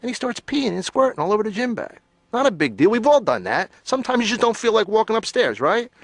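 A brash gravelly patient. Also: male voice, high voice, sing-song, quick pace, dry recording, full character voice. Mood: rambling. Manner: loud, jokey, rambling. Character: brash rambling male patient, cocky and defensive. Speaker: therapy patient. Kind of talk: stand-up style rant.

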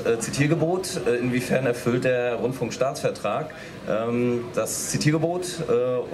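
A man in the audience asking legal questions at an outdoor rally, hesitant and full of fillers. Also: mid-range voice. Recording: outdoor rally with background noise.

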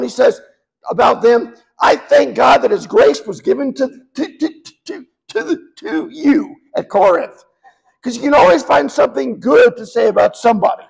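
An older man in his seventies preaches with a raspy, hoarse voice full of gravel and fry. His pitch sits fairly high for a man, and he rambles through warm, self-deprecating asides between points. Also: low-quality recording. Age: 70s. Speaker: guest preacher. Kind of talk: sermon.

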